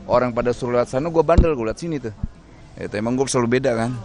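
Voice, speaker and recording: A man's voice: medium pitch, racing, a little mellow, a little hiss or hum. A man answering reporters in casual, blunt, joking slang at a doorstop interview. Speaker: political appointee speaking to press.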